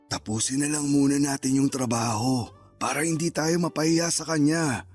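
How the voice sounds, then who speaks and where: A man's voice: on the high side, fairly even intonation, normal speed, darkish tone, soft background music, natural voice. A man playing an anxious remorseful father. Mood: teasing. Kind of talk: radio drama acting.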